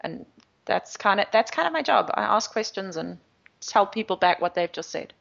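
A gravelly, fairly bright mid-range voice with big pitch swings belongs to a South African woman talking at normal speed. As an agile coach she gives long, chatty, explanatory interview answers with plenty of fillers, recorded with slightly dull audio.

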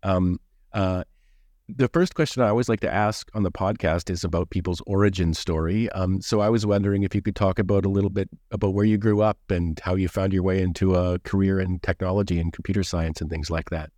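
Fast-talking deep-voiced male podcast host. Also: steady tone, a little mellow, dry recording, clean studio sound. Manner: chatty, many "you know" and "sort of" fillers. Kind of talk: podcast interview.

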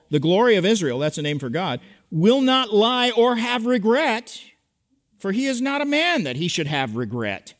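A man preaching an expository sermon to a congregation, earnest and emphatic as he teaches. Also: on the high side. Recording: echoey hall with long reverb.

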